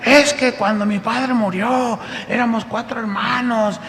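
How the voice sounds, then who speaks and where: A man voicing a bitter older woman with arthritis, who speaks in a soft, pleading, quiet voice as he retells her words in a sermon. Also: extremely high pitch, steady tone, measured pace, long reverb tail, voice pushed up. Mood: aggrieved.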